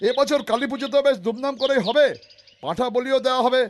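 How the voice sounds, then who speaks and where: A man's voice: extremely high pitch, fairly even intonation, fast talker, slight background noise. A man voicing a wheedling, easily flustered village man in a cartoon, with a coaxing, whiny delivery. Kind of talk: cartoon character acting. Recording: music bed behind the voice.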